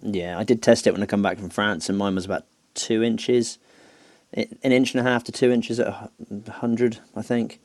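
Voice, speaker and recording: A man chatting casually on a podcast, easygoing and quick to agree and chuckle. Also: on the low side, steady tone, dry recording.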